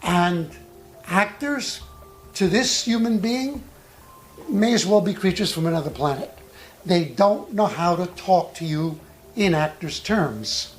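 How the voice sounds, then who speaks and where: Faint music sits behind this acting coach as he teaches using anecdotes from his own experience. He speaks at a medium pitch, animated yet measured, pausing thoughtfully.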